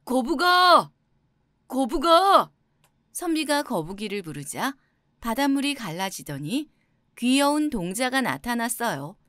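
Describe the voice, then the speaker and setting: A woman narrating folk tales for children in an expressive, storytelling manner. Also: fairly high pitch, normal speed, dry recording, studio quality. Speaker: audiobook narrator.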